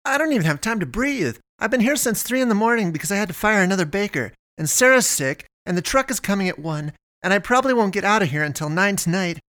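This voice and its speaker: Guy doing a high chirpy shop lady, talks fast and breathless, dry close sound. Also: lively intonation, pushed and bright, dry recording. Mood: harried. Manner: high, rapid, breathless chatter. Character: chirpy bustling middle-aged woman shop owner.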